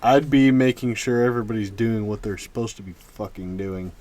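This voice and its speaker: A man with a somewhat low voice plays in a tabletop roleplaying game. His talk is casual, like ordinary chat around a table. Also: brisk, a little mellow.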